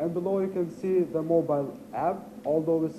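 There is noticeable background noise behind this man's voice. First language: not English (local Kosovo language). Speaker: project founder presenting a youth mapping platform; presenter. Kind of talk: presentation talk. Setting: stage with audience. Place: hall. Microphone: handheld.

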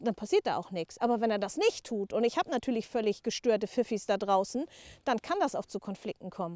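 Against a quiet background, a woman's fairly high pitch comes through in a dry sound with no echo. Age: 50s. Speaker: shepherd and dog breeder. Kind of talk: interview. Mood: calm, matter-of-fact. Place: open country.

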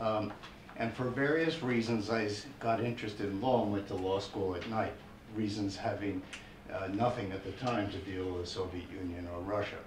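Speech at a moderate pace carries audible room echo and light background noise. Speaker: lawyer. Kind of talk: panel talk. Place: meeting room. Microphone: camera far.

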